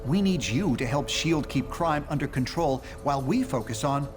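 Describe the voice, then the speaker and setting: A man's voice: on the high side, expressive, normal speed, natural voice. A man voicing a pragmatic superhero leader in a game cutscene, controlled, matter-of-fact and official. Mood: measured. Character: measured, pragmatic genius male superhero leader. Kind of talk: video game cutscene dialogue. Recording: music behind the voice.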